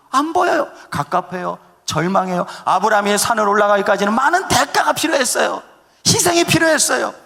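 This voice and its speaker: Male pastor, fervent sermon delivery, wide-ranging gravelly voice, call-and-response with congregation, reverberant church. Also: sits high. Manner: fervent preaching with sudden shouted peaks and hushed drops. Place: church sanctuary.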